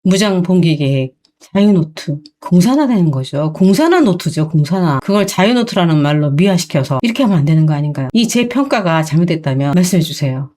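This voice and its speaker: A woman's voice: fairly low pitch, expressive, brisk, dark tone. A woman hosting her own channel, delivering an opinion commentary monologue in an indignant tone full of rhetorical questions. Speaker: channel host.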